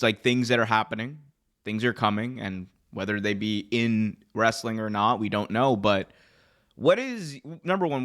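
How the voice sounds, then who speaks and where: A man's voice: fairly low pitch, fairly bright tone. A man hosting a casual wrestling news discussion, talking loosely with lots of "like" and "you know". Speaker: host of a wrestling news show.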